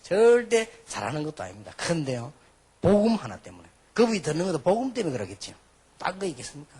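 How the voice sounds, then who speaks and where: Husky, animated Busan-accented male preacher. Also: fairly high pitch, fast talker. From Busan, South Korea. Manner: colloquial, emphatic, with rhetorical questions and throat clearing. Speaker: pastor preaching. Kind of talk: sermon with personal anecdotes.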